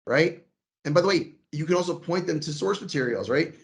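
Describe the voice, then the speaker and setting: A man's voice: fairly high pitch, expressive, a little fast, creaky. A man leading a sales training, coaching his team with energy and acting out sample phone calls.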